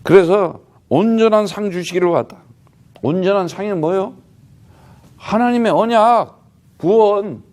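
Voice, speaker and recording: A man's voice: high voice, darkish tone. Emphatic man preaching a sermon. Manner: emphatic, rhetorical questions, frequent "huh?" tags; conversational, plain speech to the congregation. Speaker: missionary preacher.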